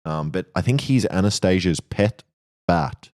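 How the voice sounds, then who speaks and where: A man's voice: deep voice, expressive, unhurried, darkish tone, no room sound. A male streamer co-host in casual chat, offhand and a bit mumbly, with dry jokes.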